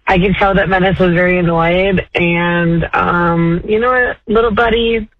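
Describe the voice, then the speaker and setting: A woman with a low, raspy voice leaving a blunt, rambling, profane voicemail for a radio show. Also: fairly even intonation, normal speed, dry recording. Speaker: voicemail caller. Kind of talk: phoned-in voicemail rant. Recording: dull lo-fi voicemail audio.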